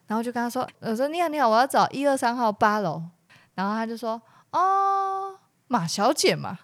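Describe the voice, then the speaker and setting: A woman's voice: on the high side, fast talker. A woman with a Taiwanese Mandarin accent, co-hosting a casual comedy podcast and telling a story, acting out the other people in it. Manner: animated storytelling with laughs and acted quotes. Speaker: podcast co-host.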